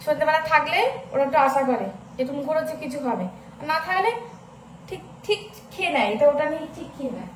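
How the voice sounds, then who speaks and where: Very high-voiced Bengali woman, echoey room. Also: animated, slight background noise. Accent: West Bengal Bengali. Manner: rapid, offhand chatter. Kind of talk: casual home vlog talk.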